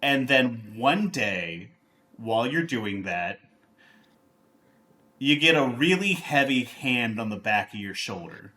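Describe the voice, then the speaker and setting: A man speaking casually as a game master, narrating in a halting, rambling, informal way. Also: medium pitch, expressive, sharp tone.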